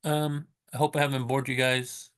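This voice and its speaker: A man with a mid-pitched voice speaks off the cuff, as in a casual vlog. His delivery is understated and halting, and he often restarts and corrects himself as he works through his thoughts. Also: clear, resonant tone. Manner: low-key, self-described monotone. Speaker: vlogger recommending books. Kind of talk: casual unscripted vlog talk.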